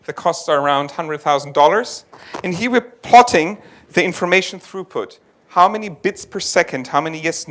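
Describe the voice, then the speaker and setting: A man's voice: fairly high pitch, a bit bright. A man presenting research at a conference and answering audience questions, explaining in a thinking-aloud way with frequent restarts. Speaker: conference speaker. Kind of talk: tech talk and audience Q&A. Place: lecture venue.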